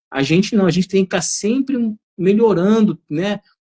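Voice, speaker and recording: Here a man talks in a high voice with ordinary pitch variation. His pace is moderate. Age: 50s. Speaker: physiotherapist. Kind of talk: casual chat. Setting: video call.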